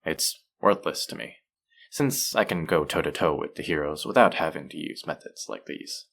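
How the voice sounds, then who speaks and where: A man acting a deep, creaky-voiced suave supervillain. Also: normal speed, fairly bright tone, full character voice. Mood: scornful, earnest. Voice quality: low, creaky voice. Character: suave manipulative male supervillain, possessive yet tender to his captive. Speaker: voice actor in audio roleplay. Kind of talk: intimate scripted audio roleplay acting.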